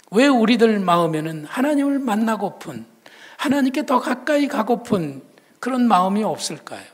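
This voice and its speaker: A male pastor preaching a sermon in a conversational storytelling manner, his voice swinging between loud and hushed. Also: a little high, slightly rough.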